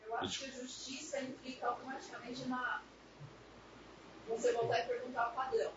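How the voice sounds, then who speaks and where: A woman's voice: high voice, flat delivery, brisk. A woman in a study group thinking aloud in an earnest way, searching for words as she speaks. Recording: echoey, distant, lo-fi, noisy room.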